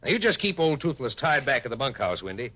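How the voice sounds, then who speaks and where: Cowboy hero: folksy and sly, forceful, expressive mid-range voice on muffled old radio. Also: male voice, medium pitch, fast. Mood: calm, sly. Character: shrewd, easygoing cowboy ranch foreman. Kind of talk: 1950s radio Western acting. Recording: dull lo-fi old radio recording.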